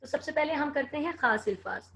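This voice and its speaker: A woman teaching a children's lesson, spelling words out slowly and clearly letter by letter. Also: high-pitched, fairly bright tone, a little hiss or hum.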